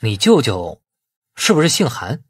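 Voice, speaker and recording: A man's voice: mid-range voice, huge pitch swings, a little slow, slightly rough, heavily acted. A man voicing a blunt, shrewd, grumbling boss in an audiobook novel, talking colloquially. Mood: startled, probing.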